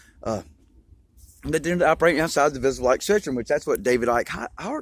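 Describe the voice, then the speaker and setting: A man's voice, dry and close with no echo. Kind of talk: casual monologue. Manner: fast; halting.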